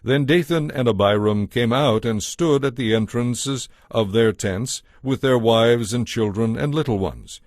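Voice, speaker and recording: A man narrating scripture from a script as a storyteller, in a measured, solemn way. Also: mid-range voice, no echo, clean studio sound.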